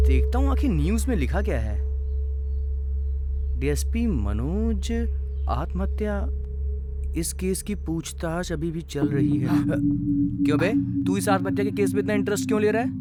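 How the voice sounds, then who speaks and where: A man's voice: high-pitched, sing-song, moderate pace, pauses often, noisy background. An actor playing a young man who teases his friend in slangy, joking banter. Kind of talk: film dialogue.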